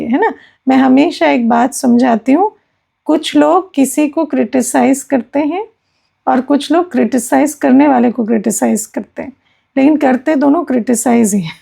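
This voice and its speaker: A woman spiritual teacher giving a gentle explanatory discourse, often checking in with her listeners. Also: high voice, gravelly, husky.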